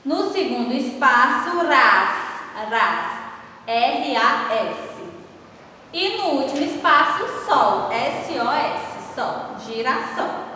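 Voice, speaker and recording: A Brazilian Portuguese-accented woman teacher going over a workbook lesson, speaking slowly and clearly and spelling out syllables letter by letter. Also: high voice, bright, forceful tone. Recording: echoey room, far from the mic, faint hiss.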